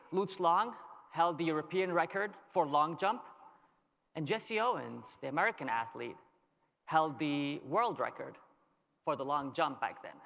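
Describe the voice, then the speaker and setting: A man from Lebanon giving a conference keynote, telling a story in a measured way with dramatic pauses. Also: on the high side, creaky, fairly bright tone. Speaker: keynote speaker. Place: large conference hall. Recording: long reverb of a large hall.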